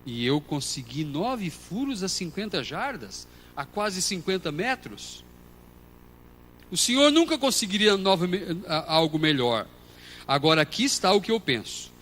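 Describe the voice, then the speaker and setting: A Brazilian man preaching a sermon as pastor, moving between quiet storytelling and loud shouted passages. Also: high-pitched, sing-song, a little slow. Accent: Brazilian Portuguese. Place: church hall.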